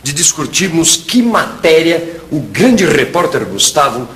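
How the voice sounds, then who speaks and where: A man in a scripted educational sketch, speaking in an animated, teasing way to a friend. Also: fairly high pitch, a little slow, reverberant.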